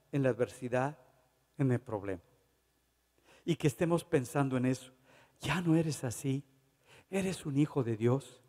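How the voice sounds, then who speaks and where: A man's voice: medium pitch, mellow, in a large hall. A man preaching a fervent sermon, building to emphatic exhortations.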